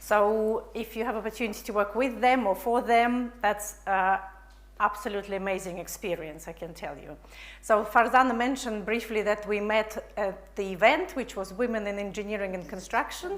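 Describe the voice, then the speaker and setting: Moderate pace, ordinary pitch variation and big swings in loudness. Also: woman, fairly high pitch for a woman. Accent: non-native. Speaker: business and career mentor. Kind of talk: workshop presentation. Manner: halting.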